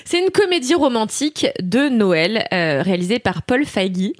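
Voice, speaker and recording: A woman in her twenties chatting casually about films she recommends, lively, with many fillers and frequent laughs. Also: fairly high pitch, moderate pace, no echo, clean studio sound. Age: 20s. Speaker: film reviewer, co-host. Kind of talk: casual chat, film recommendations.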